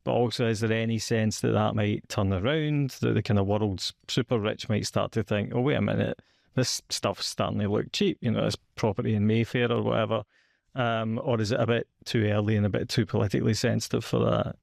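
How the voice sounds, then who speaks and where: A Scottish man interviewing, his low voice gravelly and full of fry. He asks long, meandering questions, hedging with "kind of" and "you know". The sound is dry and close, with no room around it. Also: steady tone, fairly quick, no room sound. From Scotland. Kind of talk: conversational interview.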